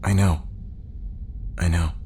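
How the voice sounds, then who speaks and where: An actor playing an earnest, caring starship engineer in a science fiction audio drama, talking in a plain way. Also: male voice, deep voice, steady tone, slow, dark tone, a little hiss or hum. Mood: sorrowful.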